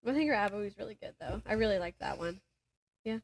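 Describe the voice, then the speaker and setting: A woman's voice: mid-range voice, lively intonation, fast. A woman podcast co-host having a casual, informal chat about books.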